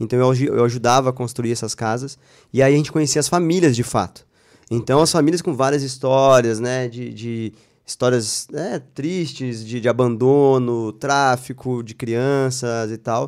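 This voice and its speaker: With an unremarkable speaking voice, a man talks at medium pitch and a fairly slow pace with fairly even intonation, on a very clean recording with a silent background. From Curitiba, southern Brazil. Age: 30s. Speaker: missionary leader. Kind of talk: interview testimony.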